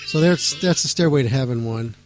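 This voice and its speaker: A man hosting a radio show, talking casually and rambling excitably, cursing freely as he chats to listeners. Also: mid-range voice, fairly quick, over loud music. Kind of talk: casual late-night radio chat.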